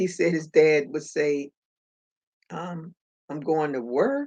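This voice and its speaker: Here a woman is speaking. Her pace is fairly slow. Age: 60s. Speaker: crochet YouTuber. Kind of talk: casual live-stream chat reading viewer comments. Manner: conversational, halting with fillers.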